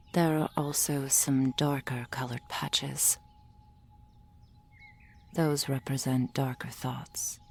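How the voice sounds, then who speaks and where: A woman playing a gentle, reassuring soul healer in an ASMR roleplay, speaking in a soft, formal whisper. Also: rumbling low, husky, exaggerated voice.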